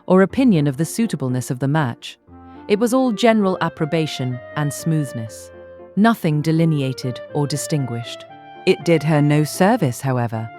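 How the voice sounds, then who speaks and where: A woman reading scripted literary narration as an audiobook narrator in a measured, articulate way. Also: sits low. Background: soft instrumental music.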